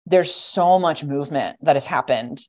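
Low-voiced guest, rambling with lots of "like". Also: female voice, moderate pace, a little mellow. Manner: rambling, heavy use of "like" and "you know". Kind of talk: casual podcast conversation.

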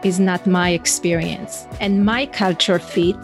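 Low-voiced Israeli woman. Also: steady tone, a little slow, over music. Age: middle-aged. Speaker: podcast guest, leadership coach. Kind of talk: casual interview talk.

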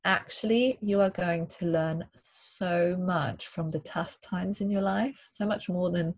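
A woman from Germany, a guest on a video call, talking in a thoughtful, hesitant way with many pauses. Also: on the low side. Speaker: interview guest. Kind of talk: casual chat. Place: home on a small island.

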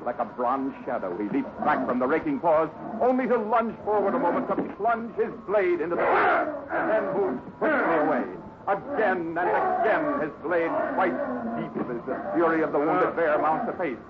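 A man's voice: a little high, animated, moderate pace, close to an everyday voice. A man playing a florid, melodramatic storyteller, narrating a 1950s radio adventure. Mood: dramatic, tense. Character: urgent, dramatic adventure storyteller. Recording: muffled, very noisy 1950s radio recording.

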